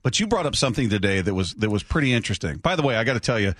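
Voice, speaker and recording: A man's voice: on the low side, sing-song, racing, very noisy. Chatty man hosting sports radio. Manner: chatty, laughs often, storytelling. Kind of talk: casual radio chat. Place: radio studio. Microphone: studio microphone.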